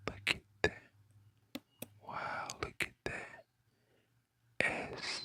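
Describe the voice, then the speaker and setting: A man whispers at a very slow pace. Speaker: ASMR creator. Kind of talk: comedic ASMR talk to camera.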